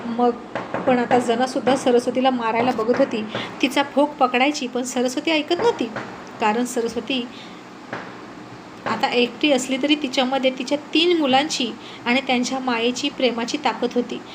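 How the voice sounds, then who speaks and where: A woman tells a scripted story with expressive, dramatic delivery. Her voice sits high, and a faint noise hangs beneath it. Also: moderate pace.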